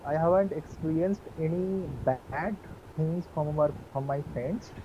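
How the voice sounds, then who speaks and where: A man's voice: a little high, dark tone, lo-fi sound, a little hiss or hum. Hesitant Bengali-accented young man. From West Bengal, India. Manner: hesitant, polite, many "uh" pauses, says "sir". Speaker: English learner. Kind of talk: conversation practice on a video call. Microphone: video call.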